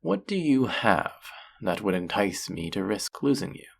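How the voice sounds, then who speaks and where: A voice actor playing a flirty, possessive demon casino dealer in an intimate audio roleplay, teasing and taunting in a low, husky, breathy voice. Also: very animated, heavily acted. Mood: amused, intrigued. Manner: teasing, taunting, slow and drawn-out.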